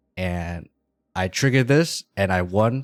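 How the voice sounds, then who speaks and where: Music plays in the background as a man talks in a fairly low pitch. The sound is dry and close, with no echo. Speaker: vtuber streamer. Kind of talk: live game stream commentary. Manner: stammering; animated.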